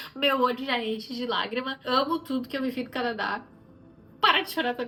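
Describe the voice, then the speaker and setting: A woman with a high pitch speaks in a raised, projected voice and an animated tone over noticeable background noise. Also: ordinary pitch variation. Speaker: youtuber on living abroad. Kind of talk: casual vlog talk to camera.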